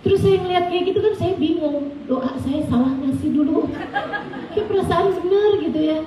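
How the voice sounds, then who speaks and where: A high-pitched middle-aged woman preaching and telling a personal story, lively and quick to laugh. Her voice sounds a little off the microphone, in an echoey room with a faint background hum. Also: a faint crowd. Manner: animated, laughs often while telling anecdotes. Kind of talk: storytelling sermon. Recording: echoey room, distant mic, faint ambience.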